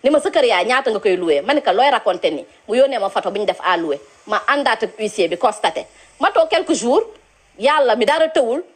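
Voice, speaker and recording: A woman giving an earnest, detailed personal account of a complaint. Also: fairly high pitch. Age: 30s.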